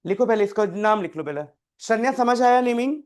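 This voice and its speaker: A man's voice: high voice, animated, fairly quick. A man teaching a chemistry class, quizzing students by name and repeating key terms. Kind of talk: live classroom tutoring.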